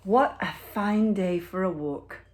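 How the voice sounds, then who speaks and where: A woman teacher reading a picture book aloud to children, with expressive, deliberate storytelling and dramatic pauses. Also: mid-range voice, background noise.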